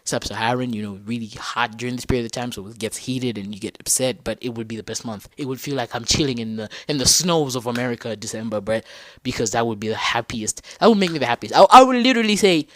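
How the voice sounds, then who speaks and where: Animated Zambian-raised man, dry sound. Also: medium pitch, fast talker, no echo. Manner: animated, slangy, thinks aloud and corrects himself mid-sentence. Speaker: podcast host. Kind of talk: casual solo football talk.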